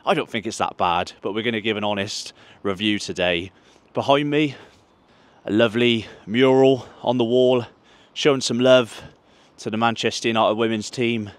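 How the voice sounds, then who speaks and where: A man's voice: lowish voice, steady tone, moderate pace, dry recording. A man, walking city streets and chatting to viewers in a football travel vlog, holding a mic. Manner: chatty, addresses viewers as guys. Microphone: handheld mic, camera at arm's length.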